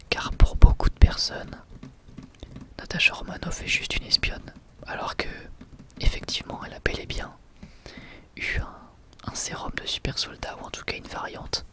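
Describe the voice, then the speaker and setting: A person whispering softly in a library-style ASMR manner, musing casually and unhurriedly while presenting a book. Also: mid-range voice.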